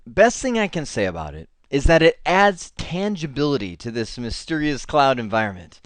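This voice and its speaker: A male IT instructor talks through a tech lesson in a loose, rambling way, full of fillers and false starts. His pitch swings widely as he explains. The sound is dry and close, with no room around it. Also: moderate pace, no room sound. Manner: animated, rambling, frequent fillers and restarts.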